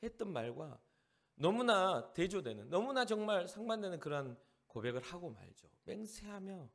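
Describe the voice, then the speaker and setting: A man from Jeolla, South Korea, preaching as a pastor at a youth service, animated and acting out the people he describes. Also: sits high, moderate pace, creaky. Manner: animated, acts out the lines of the people in the story.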